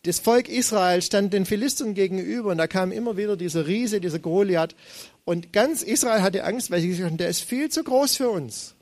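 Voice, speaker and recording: A man's voice: high voice, a little fast, a little mellow, no echo. A young man preaching a sermon, talking conversationally and acting out quoted voices with animation.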